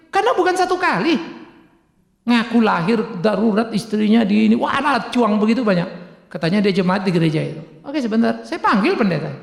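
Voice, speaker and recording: A man preaching, a pastor telling humorous stories with lively acted dialogue and frequent laughter. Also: extremely high pitch, creaky. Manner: humorous, animated, acts out dialogue, laughs often. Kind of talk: sermon with storytelling. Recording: echoey church hall.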